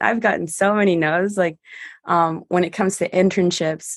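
A woman speaks at a fairly quick pace with a medium pitch and ordinary pitch variation, on a very clean recording with a silent background. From San Diego, US. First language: Spanish. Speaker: filmmaker. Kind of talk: casual interview chat.

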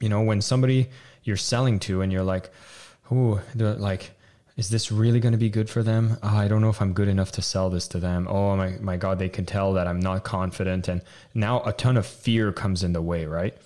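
A dark, mellow voice in a French Canadian accent, fairly quick, with fairly even intonation. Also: man, fairly low pitch for a man. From Quebec, Canada. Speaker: sales author and podcaster. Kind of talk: interview. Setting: video call.

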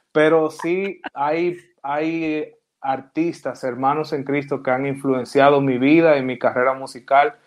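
Fairly high in pitch, a man talks very slowly and keeps his intonation fairly even. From Dominican Republic, Santiago de los Caballeros. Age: 30s. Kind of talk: radio interview.

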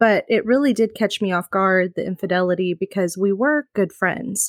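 An unremarkable speaking voice, a woman with an American accent talks at a moderate pace in a dry, close sound with no echo on a very clean recording with a silent background. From US Midwest, small rural town. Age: 30s. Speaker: domestic abuse survivor sharing her story. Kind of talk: personal testimony interview.

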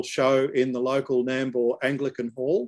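A fairly slow pace in an Australian accent. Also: man. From grew up in Mussoorie, north India, then Australia. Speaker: university executive, professor of international relations. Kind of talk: interview, personal recollection. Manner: hesitant, many fillers.

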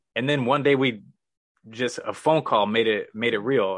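A man with an American accent talks at a moderate pace in an unremarkable speaking voice with fairly even intonation. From Missouri. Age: 30s. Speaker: comedian and cartoonist. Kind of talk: casual interview chat.

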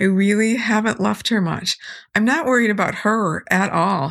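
In an American accent, a woman with a fairly high voice and lively intonation speaks at a fairly slow pace in a very clean recording with a silent background. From Syracuse, New York, US. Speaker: podcast host and pianist. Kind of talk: casual monologue.

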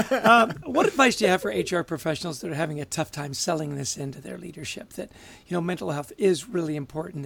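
Talking at a very fast pace with hardly any pauses, a man with a fairly high pitch uses lively intonation, vocal fry, and big swings in loudness. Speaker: podcast co-host. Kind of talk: casual interview chat.

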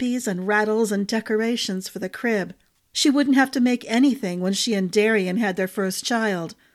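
With a quiet background, an unforced reading voice shows ordinary pitch variation.

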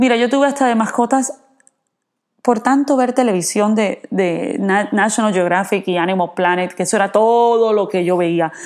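A woman talks at a moderate pace with a fairly high pitch. Her loudness stays very even. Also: ordinary pitch variation. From Colombia, Cartagena (Caribbean coast). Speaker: veterinarian podcast host. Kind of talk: personal storytelling monologue. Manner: animated, chatty.

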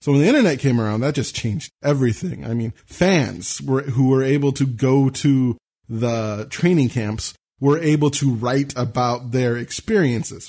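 This is a man with an American accent and an unremarkable speaking voice. He talks at a moderate pace and medium pitch, with ordinary pitch variation. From Washington State, US. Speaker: podcast host and life coach. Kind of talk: casual interview podcast.

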